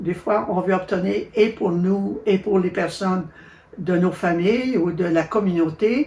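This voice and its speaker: A woman talks at a fairly slow pace with a dark, mellow tone and medium pitch. Her voice is somewhat breathy, with ordinary pitch variation. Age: 80s+. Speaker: nun, retired teacher. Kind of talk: interview testimony on faith.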